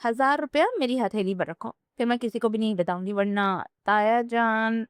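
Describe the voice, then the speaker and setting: A woman's voice: medium pitch, no echo, clean studio sound, lightly acted. A woman voicing a cheeky, bossy young woman cousin in a storybook romance, speaking in an offhand, bargaining tone.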